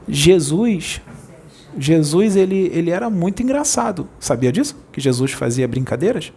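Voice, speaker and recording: A man with a Brazilian Portuguese accent, a spirit medium preaching informally in a playful, jokey way that rushes over his words. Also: on the high side, big pitch swings, gravelly, mellow.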